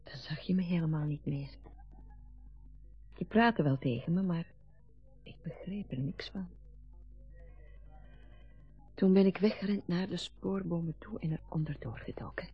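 Husky, low-voiced grown daughter. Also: female voice, unhurried, pauses often. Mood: wistful, hurt. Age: adult. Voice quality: husky, breathy. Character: wistful, reproachful grown daughter. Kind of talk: naturalistic radio drama acting. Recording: dull lo-fi radio recording with music.

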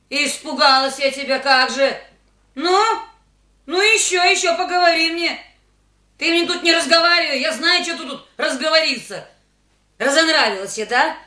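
A bitter, scolding wife. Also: female voice, sits high, expressive, a little slow, bright, forceful tone, echoey room, heavily acted. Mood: scornful. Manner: sarcastic and scolding. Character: bitter, sharp-tongued young wife, resentful. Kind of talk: radio play acting.

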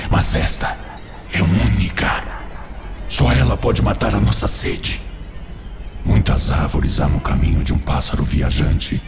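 A man's voice: medium pitch, creaky. An actor playing a cunning male spirit who seduces and tempts, whispering and then pressing hard. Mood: seductive. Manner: persuasive, insinuating, swings between whispers and rising urgency. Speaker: voice actor in radio drama. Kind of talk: radio drama acting. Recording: radio drama with music bed.

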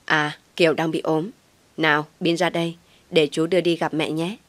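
A kind, steady young man, as a woman narrator plays him, speaking calmly with a touch of teasing. The voice sits low for a woman and is recorded dry and close. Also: normal speed, dry recording, lightly acted. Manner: calm reassuring, a little teasing.

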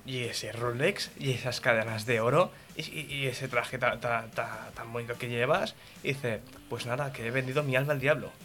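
A man telling jokes on a local radio comedy show, lively and chuckling as he goes. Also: medium pitch, normal speed, hardly any pauses. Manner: lively storyteller who stumbles and laughs mid-joke.

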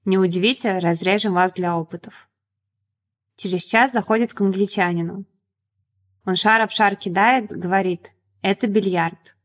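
A woman voicing a character telling a joke in an audiobook, with a lively storytelling delivery. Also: mid-range voice, normal speed, lightly acted. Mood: amused. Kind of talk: audiobook reading.

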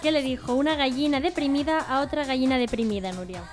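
A woman co-hosting a local radio comedy show, telling jokes and shouting out the characters' lines. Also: high voice, quick pace, music in the background.

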